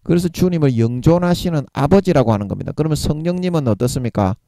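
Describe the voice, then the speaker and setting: A man's voice: a little high, expressive, fast, warm tone, no echo. A male preacher, giving a sermon and repeating key words for emphasis with frequent chuckles.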